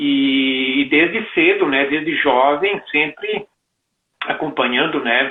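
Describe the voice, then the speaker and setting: The speaker is a man with a fairly high pitch. His intonation shows ordinary pitch variation. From southern Brazil, Serra Gaúcha (Farroupilha, Italian colony area). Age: 60s. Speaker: organic farmer. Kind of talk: interview. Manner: halting, many fillers and repetitions.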